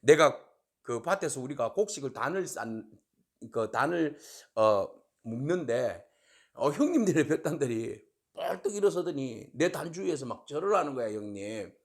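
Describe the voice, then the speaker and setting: A man's voice: medium pitch, animated, moderate pace, pitched below the performer's own voice, lightly acted. A man voicing young Joseph, eagerly telling his older brothers about his dreams.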